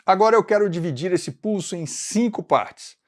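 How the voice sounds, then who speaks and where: A man's voice: sits high, animated, normal speed. A Brazilian man with a Brazilian Portuguese accent, teaching an online music lesson and explaining rhythm step by step. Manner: explanatory, chants rhythm syllables.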